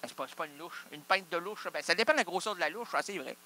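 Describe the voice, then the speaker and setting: A man's voice: high-pitched, expressive, fast, bright, forceful tone, slight background noise. A man with a Québécois accent improvising an absurd comic monologue, rambling through wordplay and asking and answering his own questions. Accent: Québécois French. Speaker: comic performer.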